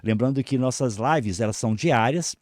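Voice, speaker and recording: A man with a Brazilian accent speaks as the host of a live webinar. His voice sits at an ordinary male pitch. The sound is dry, with very little room in it. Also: moderate pace, a little mellow, dry recording. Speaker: host of a live online show. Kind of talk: live webinar hosting, announcements and introductions.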